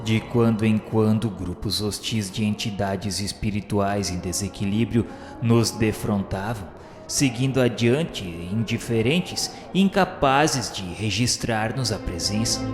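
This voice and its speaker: Echoing, solemn male narrator. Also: lowish voice. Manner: measured, grave, formal. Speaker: narrator of a radio drama. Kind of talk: solemn literary scripted narration. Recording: long reverb over faint music. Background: faint music.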